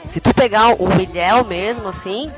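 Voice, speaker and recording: A woman's voice: mid-range voice, normal speed, loud music behind the voice. A woman from Santa Catarina with a coastal Santa Catarina Brazilian accent, telling stories in casual chat and acting out the voices she quotes. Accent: coastal Santa Catarina Brazilian Portuguese. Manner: animated storyteller, acts out quoted voices.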